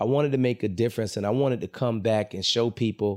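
In an American accent, an ordinary speaking voice moves at a fairly quick pace with fairly even intonation over a very clean recording with a silent background. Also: man. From US South. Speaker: business coach. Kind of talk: interview.

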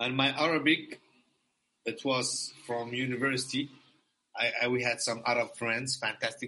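A man with a Middle Eastern accent speaks at a moderate pace in a medium pitch with a bright, sharp tone. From Iraqi Kurdistan. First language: Kurdish. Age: 30s. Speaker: logistics company manager, former exchange student. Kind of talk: casual interview. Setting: video call. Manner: halting.

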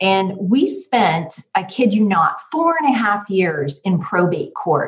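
A woman's somewhat breathy, medium-pitched voice, very slow in pace, with very wide pitch swings and very even loudness. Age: 50s. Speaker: estate planning attorney. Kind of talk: podcast interview.

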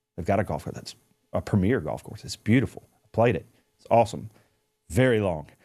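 With a South Carolina accent, a man with a fairly low pitch, a dark, mellow tone and vocal fry speaks with lively intonation and long, frequent pauses. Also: fairly quick pace. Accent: South Carolina Southern. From US South. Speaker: county council chairman, navy veteran. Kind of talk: casual interview chat.

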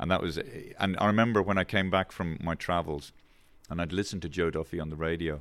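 With a Dublin accent, a man talks at a moderate pace in a very deep, low pitch with ordinary pitch variation. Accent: Irish (Dublin). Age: 50s. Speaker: comedian. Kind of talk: casual chat. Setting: studio.

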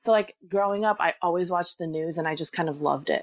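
A woman uses an ordinary speaking voice at a fairly quick pace with ordinary pitch variation. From Chicago, US (born in Korea, moved at five). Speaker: sports social media manager. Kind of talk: casual interview. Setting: podcast recording.

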